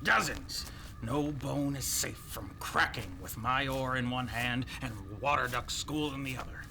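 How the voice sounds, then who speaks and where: An actor playing a boastful, loud male errant who brawls with an oar, in a noisy recording. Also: medium pitch, a little slow, vocal fry. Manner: loud, swaggering bluster.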